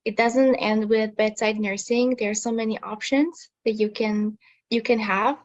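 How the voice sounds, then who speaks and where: A woman, a nursing student answering panel questions earnestly in slightly halting English. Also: fairly high pitch, fairly even intonation. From Slovakia.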